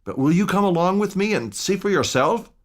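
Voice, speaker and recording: A man's voice: high voice, lively intonation, fairly quick, pitched above the performer's own voice. A man voicing an anxious older butler who pleads urgently and fearfully.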